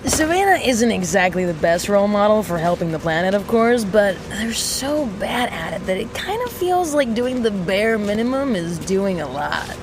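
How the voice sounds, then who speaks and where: A sardonic mechanic, sci-fi audio drama monologue, wry, mock-solemn, theatrical pauses, medium pitch, noisy background. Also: female voice, very animated. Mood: dry sarcasm. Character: sardonic, rambling young female mechanic in an underground resistance.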